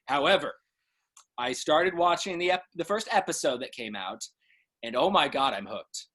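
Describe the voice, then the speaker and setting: A young man hosting an interview in an animated, showy way, enthusiastic and playful. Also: on the high side, moderate pace. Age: young adult. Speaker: interview host. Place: video call from indoors.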